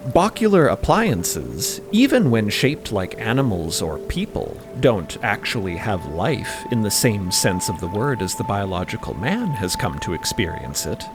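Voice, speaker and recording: A man narrating scripted fiction in a musing way, with deliberate, pausing phrases. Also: mid-range voice.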